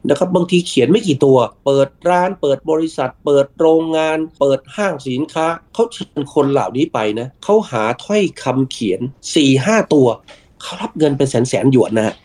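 A middle-aged man with a dark, mellow voice talks through cultural customs as an interview guest. He explains patiently and at length, softening his points with polite particles. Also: mid-range voice, expressive, moderate pace. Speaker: guest expert on Chinese business culture.

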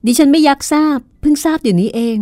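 Shrill frightened young woman, read by a woman. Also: quick pace, mellow, no echo, studio quality, close to an everyday voice. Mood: startled.

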